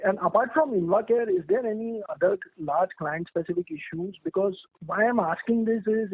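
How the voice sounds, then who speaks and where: A man speaking as an analyst, putting wordy, formal questions in a halting way on an earnings call. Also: on the high side, no echo. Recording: muffled telephone conference line.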